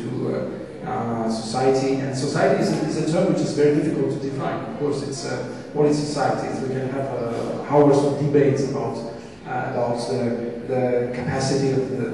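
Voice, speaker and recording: A man's voice: medium pitch, mellow. Hesitant man in an echoey hall. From Georgia. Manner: hesitant, many restarts and fillers. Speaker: panelist. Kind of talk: panel discussion answer. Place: large conference hall. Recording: echoey hall, distant mic, audience.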